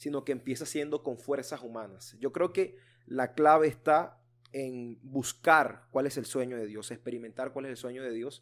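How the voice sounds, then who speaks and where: A man with an ordinary speaking voice talks at a moderate pace and medium pitch, with fairly even intonation and big swings in loudness. The recording is very clean, with a silent background. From Colombia, Riohacha (Caribbean coast). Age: 20s. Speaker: pastor. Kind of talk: interview podcast.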